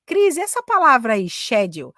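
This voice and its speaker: A woman's voice: medium pitch, normal speed, no echo, clean studio sound. A middle-aged Brazilian woman teaching English in a chatty lesson, switching between Portuguese and English and often checking in with "né?" and "ok?". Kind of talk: casual bilingual English lesson.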